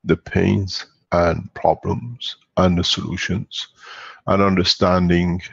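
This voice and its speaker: A man hosting an online call, speaking in a deliberate, formal way. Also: low voice, little pitch movement, creaky, slightly rough, no room sound. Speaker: host. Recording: dull lo-fi call audio.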